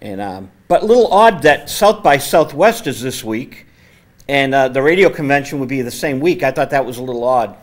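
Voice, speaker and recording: A man hosting a casual studio interview, speaking with a naturally loud, conversational voice into a microphone set on the table. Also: medium pitch, expressive, normal speed. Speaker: host. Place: community access TV studio.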